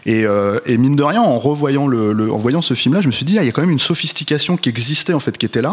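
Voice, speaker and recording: A man of ordinary middle pitch talks through a film review in a relaxed panel discussion. He hesitates often and repeats words while slowly building his argument. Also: slightly rough.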